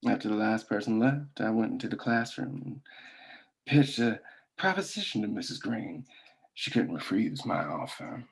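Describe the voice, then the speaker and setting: An actor playing a patient, self-assured and menacing company owner in a script table read, telling his story in a measured, deliberate way. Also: lowish voice, animated, creaky, breathy edge, full character voice, low-quality recording. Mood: smug, deliberate.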